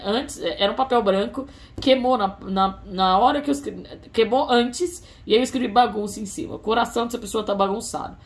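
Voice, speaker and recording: Soft-spoken woman reading tarot. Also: a little high. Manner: soft, musing, talks to viewers with frequent fillers. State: tearful. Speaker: tarot reader.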